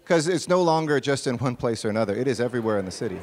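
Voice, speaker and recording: A man's voice: medium pitch, expressive, racing. A man speaking decisively at a crowded public meeting. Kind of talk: public speech.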